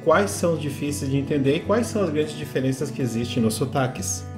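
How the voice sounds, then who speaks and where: A man from southern Brazil hosts a casual talk in a relaxed, questioning manner. His voice sits a little high for a man and carries through an echoey room. Faint music plays underneath. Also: fast. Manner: relaxed, conversational, asks questions. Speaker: host. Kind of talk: casual commentary on video clips.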